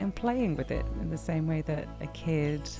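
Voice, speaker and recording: A moderate pace, with music in the background. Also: woman. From Britain. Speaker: painter and astrophotographer. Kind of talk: relaxing painting tutorial narration. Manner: calm, soothing, gentle.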